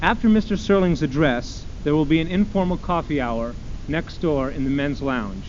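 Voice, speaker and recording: A man's voice: expressive, normal speed, darkish tone. Man giving a formal introduction. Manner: formal, announcing. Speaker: event introducer. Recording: dull 1960s archive recording with faint rumble.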